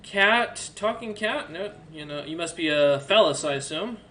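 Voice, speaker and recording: A towering red orc ruler speaks with unhurried, dry menace, as a man voices him at the table. The tone is bright and a little tense, on the higher side for a man. He delivers threats as plain facts. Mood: curious. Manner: calm, dry, matter-of-fact threats. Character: massive red orc emperor, male, cool and menacing.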